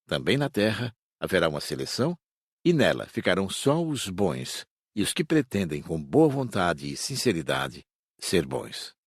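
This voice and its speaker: A man with a Brazilian accent playing a calm, wise spirit teacher in an audiobook, explaining things in a measured, didactic way. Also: deep voice, husky, no echo, studio quality, heavily acted. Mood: patient, didactic. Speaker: audiobook voice actor. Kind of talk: audiobook dramatised reading.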